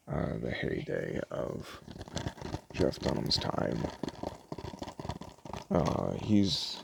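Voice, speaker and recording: A soft-spoken man doing a casual ASMR roleplay as a store clerk, chatting in a hesitant, rambling way. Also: rumbling low, gravelly, noisy background.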